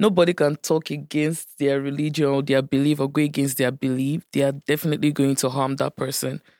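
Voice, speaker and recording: A man with a Nigerian accent talks at a fairly quick pace in a monotone, flat intonation with very even loudness. The recording is very clean, with a silent background. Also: fairly high pitch for a man, dry, close sound with no echo. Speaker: podcast co-host. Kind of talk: casual panel discussion. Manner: assertive.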